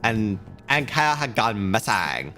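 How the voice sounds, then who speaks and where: Man reading a hard-drinking female reporter, brash, with lively pitch. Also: unhurried, soft background music, exaggerated voice. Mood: bitter. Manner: reads lines aloud, tipsy drawl. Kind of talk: reading game dialogue aloud.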